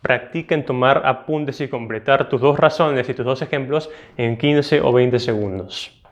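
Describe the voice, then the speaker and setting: Speaking at a medium pitch and a little slowly, a Latin American Spanish-accented man leads a test-prep lesson on video. He explains clearly and with emphasis, regularly asking "ok?", though the recording sounds muffled.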